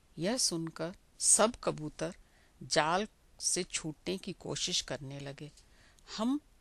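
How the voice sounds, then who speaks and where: A woman speaks with very wide pitch swings. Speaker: storyteller. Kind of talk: children's fable reading.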